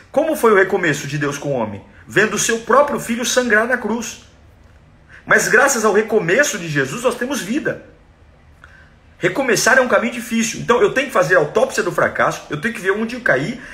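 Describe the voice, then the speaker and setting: Brazilian male preacher, high and bright, emphatic sermon delivery. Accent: Brazilian Portuguese. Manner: emphatic, acts out quoted cries dramatically.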